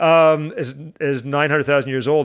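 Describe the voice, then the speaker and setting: A man with a Canadian accent and a fairly high pitch has an ordinary speaking voice with ordinary pitch variation. He talks at a moderate pace on a very clean recording with a silent background. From Canada. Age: 30s. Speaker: podcast guest. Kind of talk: casual chat.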